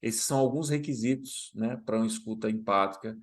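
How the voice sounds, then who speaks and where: A man giving an animated motivational lesson, turning to viewers often with quick check-in questions. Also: lowish voice. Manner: animated, speaks to viewers directly with tag questions. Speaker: coach. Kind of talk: motivational talk to camera.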